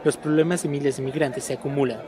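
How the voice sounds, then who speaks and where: A man's voice: on the high side, fairly even intonation, fast talker. Male reporter over street noise. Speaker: field reporter. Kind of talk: news report. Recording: street crowd and noise behind.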